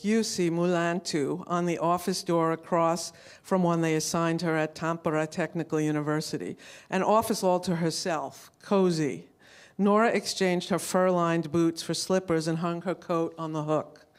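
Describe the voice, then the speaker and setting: A woman's voice: fairly low pitch, clear, resonant tone. Woman author reading her fiction aloud. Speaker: author reading from own novel. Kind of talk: live literary reading with spoken asides. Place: live literary event.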